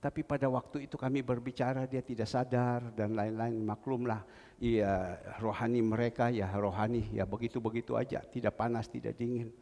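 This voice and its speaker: A man's voice: mid-range voice, little pitch movement, normal speed, mellow. A male pastor, preaching an earnest, emotional sermon in a church. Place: church sanctuary. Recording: reverberant church hall.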